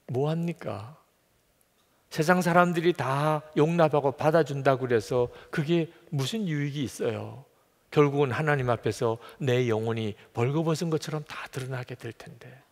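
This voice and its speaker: A male pastor preaching a sermon, stressing his points with rhetorical questions and moving between quiet and loud passages. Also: medium pitch. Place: church sanctuary. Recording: long hall reverb.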